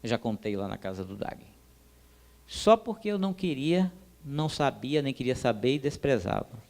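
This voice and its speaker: A man teaching a church class in a sermon style, emphatic and animated, speaking directly to his listeners. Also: medium pitch, normal speed, gravelly.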